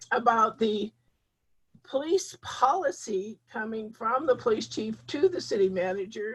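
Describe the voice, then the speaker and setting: A somewhat breathy woman speaks at a fairly slow pace with a fairly high pitch. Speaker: former city commissioner speaking at public forum. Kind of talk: public comment at community forum.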